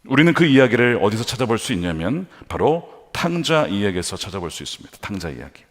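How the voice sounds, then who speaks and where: A man's voice: fairly low pitch, sing-song, fast. A man preaching a sermon as pastor, asking the congregation questions and voicing imagined prayers with rising intensity. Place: church sanctuary. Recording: reverberant church hall.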